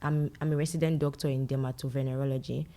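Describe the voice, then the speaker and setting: A woman's voice: a bass voice, level tone, quick pace, warm tone. A young woman with a Nigerian accent, answering conversationally as an interview guest. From Lagos, Nigeria. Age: young adult. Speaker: interview guest, medical doctor and content creator.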